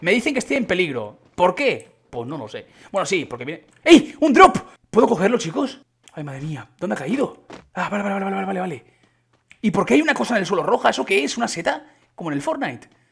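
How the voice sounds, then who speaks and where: A young man with a Spain Spanish accent giving casual, excitable commentary on his gameplay, chatting to his viewers and breaking into sudden shouts. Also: sits high, quick pace, gravelly, breathy edge. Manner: chatty, addresses viewers as chicos. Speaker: gaming YouTuber.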